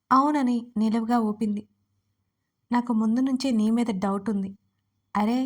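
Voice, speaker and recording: A woman's voice: on the high side, mellow. A woman narrating a romantic story and reading both lovers' lines herself. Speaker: writer and narrator.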